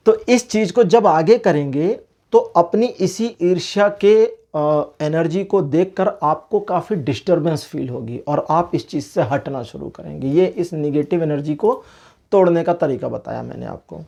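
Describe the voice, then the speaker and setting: A man reading tarot cards and giving relationship advice in a casual, explanatory way, pausing to search for words. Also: on the high side, vocal fry, mellow. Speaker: tarot card reader.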